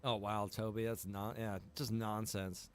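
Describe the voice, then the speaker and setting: A man's voice: fairly low pitch, level tone, unhurried. A laid-back man chatting to viewers in rambling, slangy game livestream commentary. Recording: clearly noisy, background ambience.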